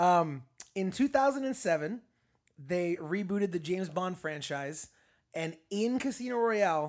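A man with an American accent speaks at a fairly slow pace in a high pitch. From Florida. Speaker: car podcast co-host. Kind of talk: casual chat.

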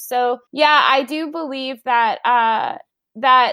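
A woman's raised, projected voice, high-pitched with lively intonation and a bright, sharp tone. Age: 30s. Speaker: movement and breath teacher. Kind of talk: casual chat.

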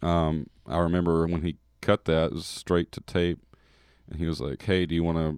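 Speaking at a moderate pace with a Southern US accent, a man has a very deep, low pitch and monotone, flat intonation, recorded very cleanly against a silent background with a dry, close sound and no echo. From Mississippi, Calhoun County. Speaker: musician. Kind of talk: casual interview.

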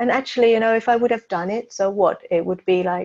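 In a London accent, a woman speaks at a moderate pace with a dry, close sound and no echo. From England, London. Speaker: mother sharing birth story. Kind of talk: personal testimony interview. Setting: home, separate room from host.

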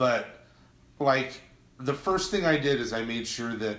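At a moderate pace, a man with a medium pitch talks in a normal speaking voice. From New York, US; Puerto Rican heritage. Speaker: stand-up comedian. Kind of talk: casual chat.

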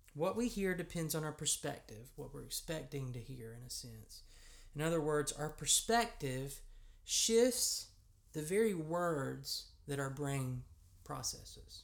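A man's normal speaking voice, fairly high-pitched, with an American accent and a fairly slow pace. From United States. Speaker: preacher. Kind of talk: sermon.

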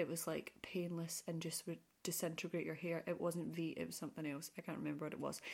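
Vocal fry runs through this woman's voice. She talks at a very fast pace. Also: fairly low pitch for a woman. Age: 20s. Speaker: fitness coach and podcast host. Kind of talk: casual monologue. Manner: animated.

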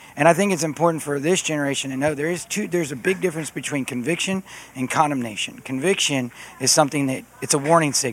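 There is noticeable background noise as a man speaks at a very fast pace. His pitch is fairly high, with ordinary variation. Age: 40s. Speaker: podcast host interviewing students. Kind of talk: casual street interviews. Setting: outdoors on a university campus.

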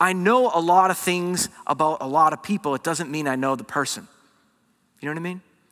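On a very clean recording with a silent background, a man speaks fairly quickly in a high pitch with a bright, sharp tone and ordinary pitch variation. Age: 40s. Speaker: pastor. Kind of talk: sermon. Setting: church. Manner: conversational.

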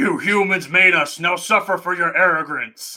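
Putting on a character voice, a man speaks high for a man at a moderate pace. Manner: menacing, accusing.

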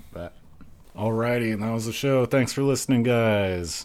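This recording is very clean with a silent background, and the man on it speaks with ordinary pitch variation. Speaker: podcast host. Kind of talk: casual chat. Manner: subdued in intros, livelier in interview.

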